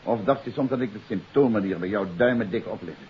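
An actor playing a shrewd, authoritative detective in a 1950s radio drama, speaking in a probing, deliberate way. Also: male voice, lowish voice, natural voice. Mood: stern, pressing. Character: shrewd, authoritative male amateur detective confronting a suspect. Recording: muffled 1950s radio recording with hiss.

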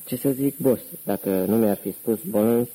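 A man reading an audiobook, voicing a wary, blunt male gangster lieutenant in a gruff manner. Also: lowish voice, mellow, poor audio.

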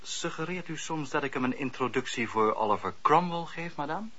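An actor playing a courteous, calculating magistrate of olden times in a radio drama, speaking in formal, courtly phrases. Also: male voice, on the high side, animated, fairly quick, pushed and bright. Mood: dry, probing. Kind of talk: period radio drama acting. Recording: dull, muffled old radio recording.

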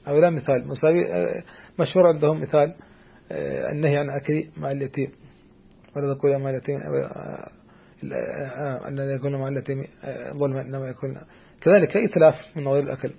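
A man teaching a classical text of Islamic jurisprudence to a student. He talks hesitantly, with many drawn-out fillers and restarts, and keeps checking that the student follows. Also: mid-range voice, fairly even intonation, creaky, breathy edge, muffled recording.

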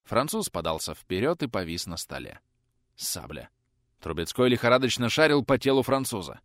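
A man's voice: fairly low pitch, sing-song, moderate pace, a bit bright, no echo. A man narrating a war adventure audiobook in a tense, vivid manner.

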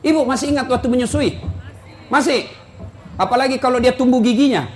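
A man's voice: very high voice, a little fast, slight background noise. A man preaching a humorous sermon to a live audience, joking and teasing listeners with questions.

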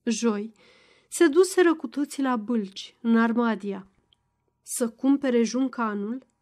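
A woman giving a steady, measured reading of a classic novel as an audiobook narrator. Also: a little high.

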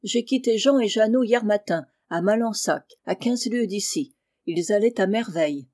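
Kersac, a woman doing a gruff farmer. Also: moderate pace, no echo, studio quality, close to an everyday voice. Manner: low, hushed and blunt. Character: gruff kindly middle-aged male farmer. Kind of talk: audiobook character reading.

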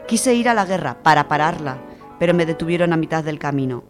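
A woman's voice: deep voice, expressive, quick pace, faint music behind. A woman with an accent from Spain, chatting casually and reading verse as a radio contributor.

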